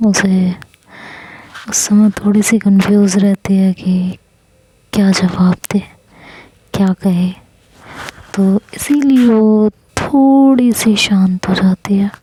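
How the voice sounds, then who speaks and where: A woman narrating an audio love story in a soft, conversational way. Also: mid-range voice, fairly even intonation, slow, pauses often, slightly rough, rough recording.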